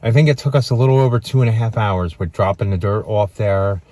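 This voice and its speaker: A man's voice: lowish voice, brisk, no echo. A man who runs a landscaping business, chatting casually with viewers about a finished sod job and giving offhand tips. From Western North Carolina. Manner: relaxed, offhand advice with fillers. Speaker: landscaping business owner, vlog co-host. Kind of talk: casual end-of-day chat to viewers.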